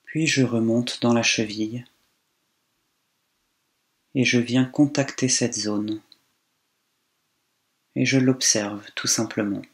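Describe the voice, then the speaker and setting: A man guides a meditation with a very level, barely varying intonation. His delivery is slow and calm, with long pauses between phrases, and his pitch sits at an ordinary medium height for a man. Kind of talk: guided body scan meditation.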